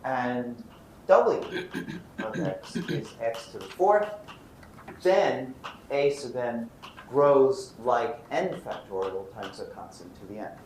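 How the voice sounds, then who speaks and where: A man's voice: medium pitch, lively intonation, slow pace, darkish tone. An American man from Brooklyn giving a physics lecture, posing questions and answering them himself. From Brooklyn, United States. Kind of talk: lecture with anecdotes. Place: lecture room. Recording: roomy echo, faint background noise.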